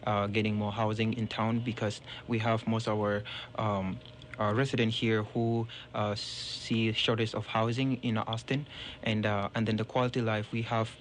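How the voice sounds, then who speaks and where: A young man from Ethiopia, speaking halting with many fillers as a council candidate on a radio forum. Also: fairly low pitch, slight background noise.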